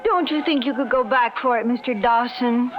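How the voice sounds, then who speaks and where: A woman's voice: a little high, moderate pace, lightly acted. A woman playing a spoiled coquettish young lady. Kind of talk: 1950s radio drama acting. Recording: dull old radio recording with faint hiss.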